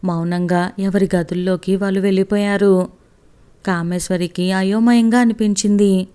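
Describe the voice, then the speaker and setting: A woman's voice: fairly even intonation, normal speed, warm tone, clean tone. A woman reading a family story aloud, lifting her voice for anxious questions in the dialogue. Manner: lifts pitch sharply for anxious questions in dialogue.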